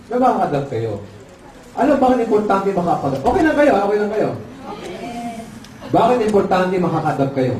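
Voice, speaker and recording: A man giving an energetic motivational seminar talk with jokes, leading his audience in chants. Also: high-pitched. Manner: energetic, leads call-and-response chants. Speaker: seminar speaker. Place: large hall with live audience. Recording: echoey hall, far mic, crowd noise.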